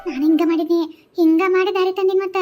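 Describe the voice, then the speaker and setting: A woman's voice: very high-pitched, fairly even intonation, fast, music in the background. A woman voicing a confident village woman in a cartoon who gives firm, soothing advice, with a North Karnataka Kannada accent. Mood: confiding. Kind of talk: cartoon voice acting.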